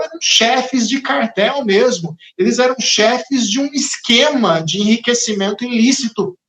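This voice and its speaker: A man preaching a sermon as pastor, expressive and dramatic, sometimes acting out the voices of the people he talks about. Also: sits high, reverberant.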